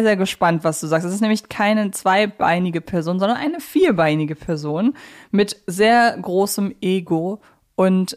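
A woman chatting casually as a podcast co-host, often correcting herself as she talks. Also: lowish voice. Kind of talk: casual podcast chat about audio drama characters.

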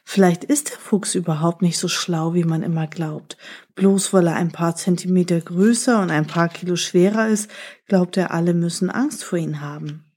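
A woman voicing a small female mouse who thinks quietly to herself in a storybook. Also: fairly low pitch, normal speed, breathy edge. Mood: wary. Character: small female mouse, wary but growing brave.

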